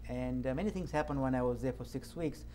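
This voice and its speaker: A middle-aged man from Tanzania, an author guest in an interview, tells a personal story in an earnest, reflective way with halting restarts. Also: medium pitch, mellow, slight background noise.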